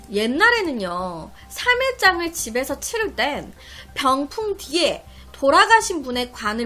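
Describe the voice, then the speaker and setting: A woman's voice: sits high, pushed and bright. A woman telling a mystery story to her viewers, dramatic and chatty, with asides to the audience. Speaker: storytelling YouTuber. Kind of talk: narrating mystery stories.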